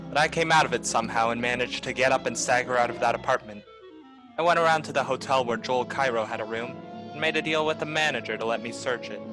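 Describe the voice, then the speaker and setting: A man playing a hard-boiled private detective in a noir radio play, terse, wry and deadpan. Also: medium pitch, lightly acted, rough recording.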